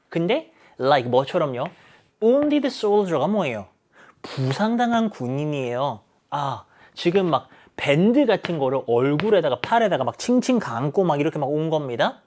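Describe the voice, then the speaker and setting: Male lecturer, animated delivery, acts out dialogue for students. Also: a little high. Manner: lively, acts out characters' lines while explaining. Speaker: English teacher. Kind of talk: exam explanation lecture.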